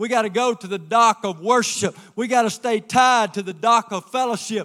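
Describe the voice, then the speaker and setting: A bright, sharp tone with ordinary pitch variation, on a very clean recording with a silent background. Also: man. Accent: Southern US. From US South. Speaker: guest preacher. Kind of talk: sermon. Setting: church.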